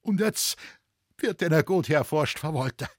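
A man voicing a loud, loyal old forest warden who speaks in rough dialect. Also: a little high, lively intonation, moderate pace, dry recording, studio quality, voice pushed up. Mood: effusive.

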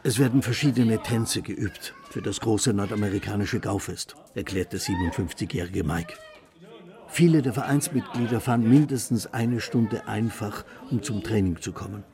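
Male reporter, scripted narration, low gravelly voice, folk music underneath. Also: moderate pace, crowd noise.

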